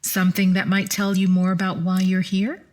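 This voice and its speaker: An actress playing a composed, polite immortal attendant in an audio drama, speaking precisely and courteously with a guarded patience. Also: female voice, mid-range voice, monotone, normal speed, a little mellow, lightly acted. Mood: patient, courteous.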